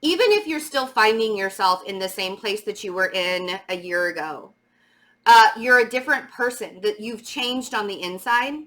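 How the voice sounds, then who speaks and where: A middle-aged woman with a slight stammer speaks casually and emphatically to viewers as she gives a halting spiritual tarot reading, repeating words for stress. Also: medium pitch, animated, pushed and bright. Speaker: tarot reader.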